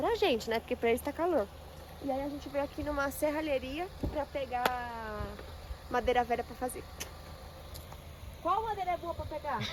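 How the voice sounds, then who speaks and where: A woman with a high pitch and lively intonation at a moderate pace, with long, frequent pauses and noticeable background noise. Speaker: travelling clown vlogger. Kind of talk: travel vlog. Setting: outdoors. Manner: animated.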